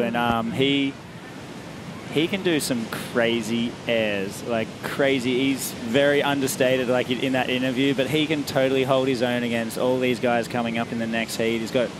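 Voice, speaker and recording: A man's voice: medium pitch, level tone, normal speed, noisy background. A man commentating on a surf contest in an enthusiastic, chatty way. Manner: enthusiastic, chatty, laughs often. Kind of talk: sports commentary.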